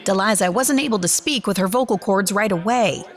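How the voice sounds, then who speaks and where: A woman news reporter narrating a feature story in a measured, even way. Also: mid-range voice.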